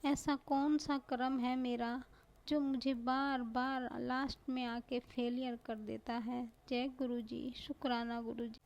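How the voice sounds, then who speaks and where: Woman, devotional testimony, pleading prayerful repetition, flat level delivery, higher voice. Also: slow pace, dull audio.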